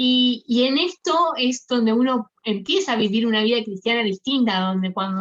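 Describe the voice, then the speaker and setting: With an unremarkable speaking voice, a woman talks at a moderate pace and a fairly high pitch, her intonation lively, her loudness very even and hardly any pauses. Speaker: youth group preacher. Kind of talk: sermon.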